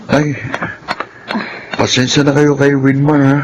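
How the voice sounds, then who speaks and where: A young male actor playing a gentle, understanding twin son who is wary but loyal to his mother. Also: medium pitch, little pitch movement, slow, highs cut off, background noise, close to an everyday voice. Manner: gentle, hesitant.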